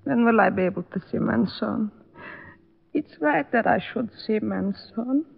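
An actress playing a tired, sorrowful old mother, slow and resigned, in an old radio drama. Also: fairly high pitch, creaky, exaggerated voice. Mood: weary sorrow. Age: older. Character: weary, sorrowful old mother of murdered son. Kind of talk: 1950s radio drama acting. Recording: tinny narrow-band old radio recording.

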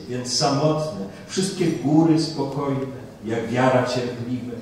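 Young man reciting poems slowly. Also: medium pitch, a little mellow, slight background noise. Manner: slow, deliberate recitation. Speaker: poetry reader. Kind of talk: recited poetry reading. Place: small venue on a stage before an audience. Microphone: handheld mic, from a distant camera. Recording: very echoey room heard from far off.

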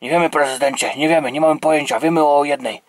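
A man's voice: on the high side, quick pace, dry recording, close to an everyday voice. A man voicing a timid male soldier from a special unit in a comic toy-brick animation, who talks hesitantly with many fillers. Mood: nervous.

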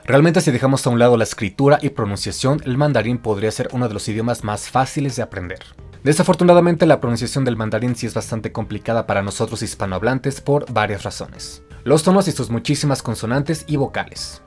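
A man giving a scripted, clear explanatory narration for a language lesson, walking through examples one by one. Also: medium pitch, brisk, darkish tone. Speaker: language teacher. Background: faint music.

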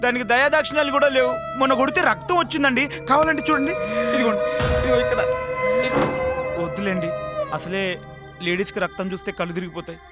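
A man's voice: very high voice, fast talker, pauses often, over loud music. An actor playing a desperate, pushy real estate salesman in a comic film, who wheedles and pleads with a customer and rants in asides. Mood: pleading.

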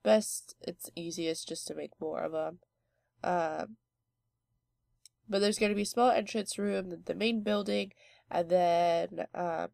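A woman's voice: fairly low pitch, gravelly, darkish tone, dry recording, studio quality. A young woman with a stuffy head cold, hosting a let's play with chatty, rambling commentary full of fillers. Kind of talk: casual gameplay commentary.

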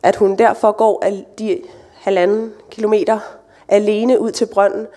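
A woman delivers a sermon in a relaxed, conversational way, slipping in light asides. Her voice sits at a medium pitch and has a warm, mellow tone. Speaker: church speaker. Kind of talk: sermon with scripture reading.

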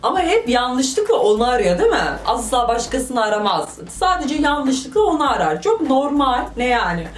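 A young woman vlogger reading viewer stories with animated, joking, exclamatory commentary. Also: sits high, normal speed, few pauses, far from the mic. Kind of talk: casual comic commentary. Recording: roomy, voice from off the mic.

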